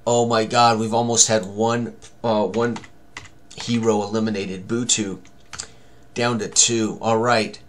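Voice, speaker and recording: An older man sits at his computer in a small indoor room, giving a tabletop game tutorial as short running commentary on rolls and tallies, thinking aloud. His voice is fairly low and level, his pace unhurried, with slight background noise.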